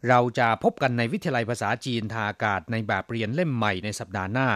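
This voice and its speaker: A man teaching vocabulary on a radio language lesson, saying example phrases clearly and then explaining them. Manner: reads words slowly then translates, lifting pitch on example phrases.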